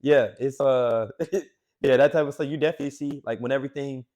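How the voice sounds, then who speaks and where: A man's voice: medium pitch, steady tone, brisk, darkish tone. A man in his late twenties co-hosting a podcast, rambling in casual chat with heavy slang and lots of fillers. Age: late 20s. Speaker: podcast co-host.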